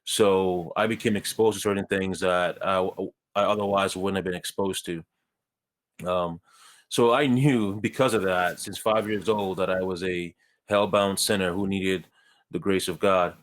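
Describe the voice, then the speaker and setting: A man from Ghana, a guest in a conversation, telling his life story in a measured, earnest way with light self-deprecating humor. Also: sits low, steady tone.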